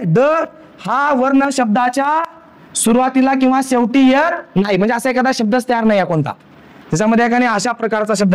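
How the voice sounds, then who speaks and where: A man with a Marathi accent teaching a grammar lesson, asking the class questions and answering them himself, and spelling out sounds one at a time. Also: very high-pitched.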